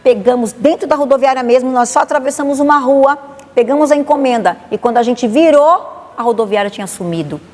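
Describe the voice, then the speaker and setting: A woman's voice: high-pitched, fairly quick. Bahian woman pastor telling testimony. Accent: Bahian Portuguese. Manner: animated, acts out dialogue. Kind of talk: testimony storytelling. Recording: long reverb, faint noise.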